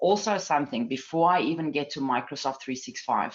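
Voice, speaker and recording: This woman has a very deep, low pitch and very wide pitch swings. She talks at a fairly quick pace in a South African accent. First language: Afrikaans. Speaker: IT trainer and technology expert. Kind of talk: webinar presentation. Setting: online webinar. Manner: fast; enthusiastic.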